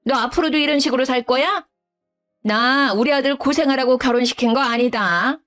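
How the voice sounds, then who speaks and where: A woman's voice: sits high, normal speed, a bit bright, faint music behind, pitched above the performer's own voice. A woman putting on a bossy scolding mother-in-law. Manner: scolding, condescending. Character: domineering nagging older mother-in-law.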